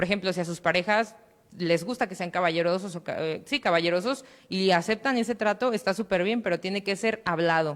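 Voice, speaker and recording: Her pitch is medium, with ordinary variation. The woman talks at a fairly quick pace. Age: 20s. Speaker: guest speaker on gender issues. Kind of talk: talk answering audience questions. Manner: halting.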